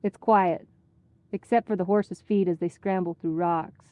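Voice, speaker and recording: A woman's voice: on the low side, steady tone, unhurried, dark tone, no room sound, soft background music. Woman reciting poetry, very dry sound. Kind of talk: poem recital.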